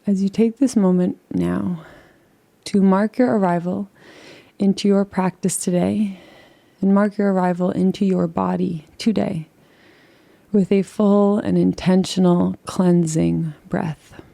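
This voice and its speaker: A woman guides a relaxation meditation. Her voice is mellow and relaxed, with a strong creaky fry running through it and a medium pitch. She gives gentle instructions in a soothing, unhurried manner.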